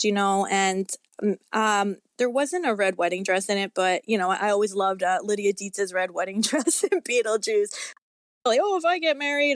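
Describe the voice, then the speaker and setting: A woman with a medium-pitched voice talks as a guest author in a casual interview. She is candid and reflective, phrasing things informally. The recording is very dry. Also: no echo.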